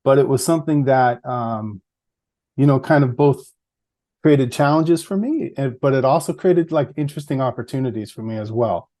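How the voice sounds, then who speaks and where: A man with a central Massachusetts accent talks in an unhurried, reflective way, often pausing on "um" and "you know" and breaking into soft laughs. His voice is warm and mellow at a middle pitch. He sounds like a middle-aged guest settled into a relaxed podcast conversation. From Massachusetts, USA. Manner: reflective, easygoing, with frequent fillers and soft laughs. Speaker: podcast guest, public health researcher. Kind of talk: casual interview conversation.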